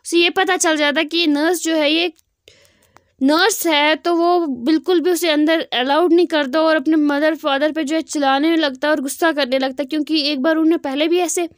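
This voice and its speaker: A woman retells a fan fiction story in a loose, chatty manner, stopping and restarting as she goes. Her voice is high. The sound is close and dry. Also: fairly even intonation, moderate pace, no echo. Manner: chatty, with many fillers and restarts.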